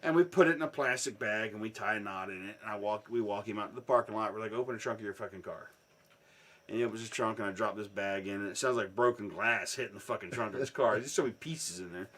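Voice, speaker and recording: A man telling a swear-filled story in a casual chat, dropping low and then bursting into loud shouts. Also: quick pace, few pauses. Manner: profane, animated, swings from hushed to shouting.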